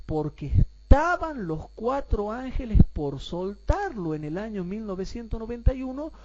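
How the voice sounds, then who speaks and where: A man teaching a Bible class, asking rhetorical questions and calling his listeners brothers, and repeating points slowly so everyone follows. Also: high voice, mellow, highs cut off.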